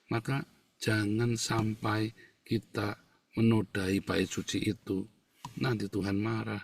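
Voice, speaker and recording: Gravelly-voiced man preaching a sermon. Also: lowish voice, distant mic. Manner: emphatic preaching, swinging from loud scolding to soft hushed tones. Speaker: pastor.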